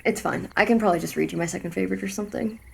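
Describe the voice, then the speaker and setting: A woman playing a shy, sentimental young man who speaks haltingly. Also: on the low side, vocal fry, a little mellow, slight background noise.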